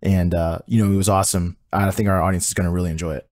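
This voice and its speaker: A male podcast host talks quickly in an upbeat, joking manner as he asks his guest questions. The sound is dry and close, with no room echo. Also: low voice, level tone, a little mellow. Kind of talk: casual interview questions.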